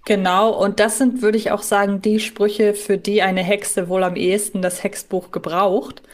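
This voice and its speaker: A woman's voice: mid-range voice, little pitch movement, moderate pace. A woman co-hosting a podcast, explaining things thoughtfully in a casual discussion. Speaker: podcast co-host.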